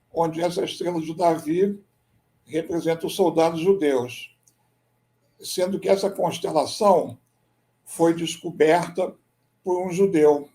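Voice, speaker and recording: A Brazilian man, a military history researcher and writer, giving a measured, explanatory slide presentation and often tagging his sentences with a questioning "né?". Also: fairly high pitch, dark tone. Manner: measured, explanatory, with frequent "né?" tags.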